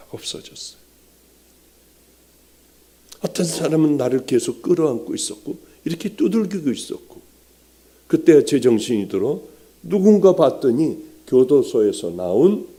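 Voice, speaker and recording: An older man preaching a sermon as a pastor, telling a personal testimony with strong emotion and often dropping to hushed, near-whispered words. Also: mid-range voice.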